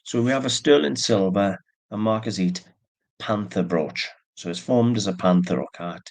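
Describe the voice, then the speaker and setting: A man's voice: fairly low pitch, moderate pace, creaky, darkish tone. A man with allergies casually showing and describing the antique silver jewelry he sells, chatty with plain asides. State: stuffy with allergies, yawning. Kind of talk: casual show-and-tell narration.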